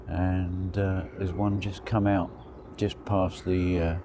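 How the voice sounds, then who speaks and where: A very deep-voiced man, croaky from the cold, muses aloud in a relaxed, rambling way beside a lake. The outdoor recording carries clear, steady background noise. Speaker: angler vlogger. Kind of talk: casual spoken fishing diary.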